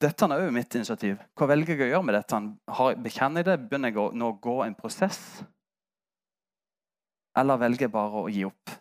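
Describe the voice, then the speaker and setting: A man, a pastor preaching a sermon and telling a personal story with candid, self-mocking humor. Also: mid-range voice. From Norway.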